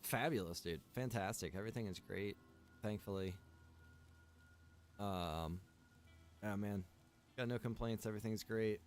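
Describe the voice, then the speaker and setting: A man chatting casually while streaming a survival game, rambling in a relaxed way to his viewers. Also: lowish voice, a little slow, pauses often. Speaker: streamer and server owner. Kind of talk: casual gaming stream chat.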